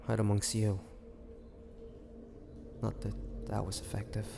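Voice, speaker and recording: A man playing an ancient, gentle and wistful male vampire in an intimate audio roleplay, speaking haltingly with measured pauses. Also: lowish voice, little pitch movement, creaky, very noisy. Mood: resigned, bitter.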